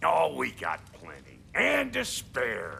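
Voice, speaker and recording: Over clear background noise, a man uses a gruff, raspy put-on character voice at a very slow pace. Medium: video game. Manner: gruff, colloquial.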